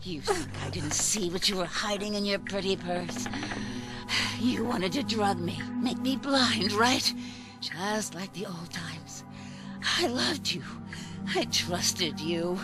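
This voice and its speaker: A woman's voice: medium pitch, animated, slow, loud music behind the voice. A woman playing a vengeful, fanatical sister in a horror video game, commanding, taunting and theatrical. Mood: bitter rage. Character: vengeful, fanatical sister, menacing and manipulative villain. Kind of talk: dramatic horror game acting.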